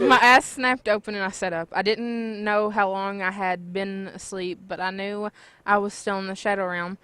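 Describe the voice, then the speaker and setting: A woman's voice: medium pitch, fairly even intonation, normal speed, fairly bright tone, clean tone, dry recording. A giggly woman chatting and reading along casually, interjecting with playful protests. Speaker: story author co-reading and commenting. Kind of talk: casual chat and read-aloud with interjections.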